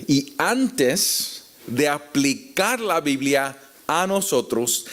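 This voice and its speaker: A man with a Puerto Rican Spanish accent teaching the Bible to an audience in a deliberate, explanatory way with rhetorical questions. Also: on the high side. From Puerto Rico. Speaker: preacher teaching at a conference.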